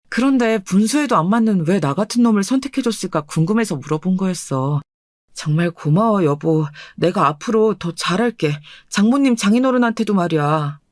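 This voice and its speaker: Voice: medium pitch, dry recording, clean studio sound, close to an everyday voice. A performer voicing a humble, sweet-natured young husband who speaks eagerly and earnestly in a storybook radio drama.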